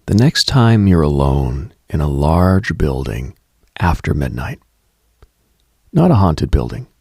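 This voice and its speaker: A man with a low, heavily creaky voice narrates an atmospheric late-night radio monologue. He takes his time, speaking slowly and deliberately with pauses between phrases. His husky delivery is hushed, often sinking toward a whisper. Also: no room sound, studio quality. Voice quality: gravelly, husky, breaking into whisper.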